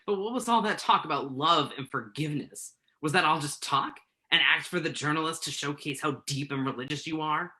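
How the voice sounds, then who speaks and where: A woman's voice: deep voice, a little fast, hardly any pauses, bright, forceful tone. A woman acting the part of an emphatic, wounded male writer in a staged play reading. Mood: indignant, insistent. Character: male writer Tim, pen name Tuck, joking, wounded, insistent.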